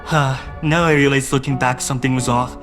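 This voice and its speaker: A man's voice: mid-range voice, steady tone, brisk, music in the background. A man narrating a first-person audio drama in a wistful, doting way that grows uneasy.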